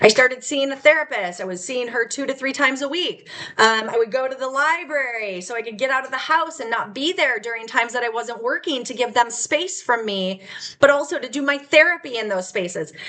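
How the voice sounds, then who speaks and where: A woman's raised, projected, high-pitched voice, bright and sharp in tone, fairly quick, with lively intonation and big swings in loudness. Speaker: personal testimony vlogger. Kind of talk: testimony. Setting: unedited solo video. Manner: halting.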